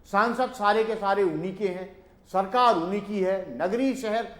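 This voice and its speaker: Man, journalist, measured political analysis, echoey studio. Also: high voice, a bit bright. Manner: measured, addresses the host by name often. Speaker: journalist panelist.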